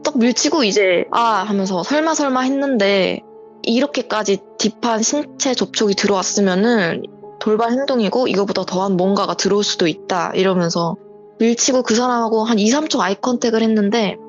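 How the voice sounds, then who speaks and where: A woman's voice: mid-range voice, fairly quick. A woman calling in to tell her own true story in a vivid, breathless retelling. She acts out the lines that people said. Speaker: viewer sharing a true story by voice call. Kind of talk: casual call-in storytelling. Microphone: voice call. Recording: muffled voice call with faint music.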